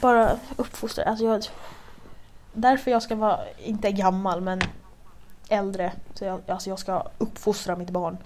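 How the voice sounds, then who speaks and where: A woman's voice: mid-range voice, steady tone, darkish tone. A young woman from Sweden in casual chat, telling a story animatedly, swearing and acting out quoted lines. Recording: faint background noise.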